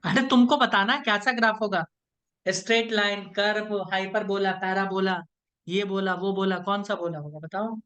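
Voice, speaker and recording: A man's voice: high voice, fairly even intonation, normal speed, pushed and bright. A man teaching an online class, explaining step by step in a playful, teasing way and often checking that students follow. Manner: playful, teasing, keeps asking "right?".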